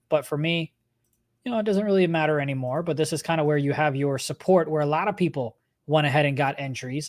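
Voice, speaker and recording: A man with a slightly high voice runs a casual trading livestream, with faint music in the background. He talks informally and conversationally, speaking directly to viewers while giving live commentary.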